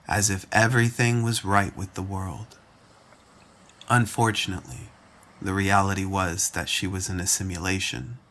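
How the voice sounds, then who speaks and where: A man's voice: low-pitched, fairly bright tone. A man reading scripted fiction narration as the storyteller.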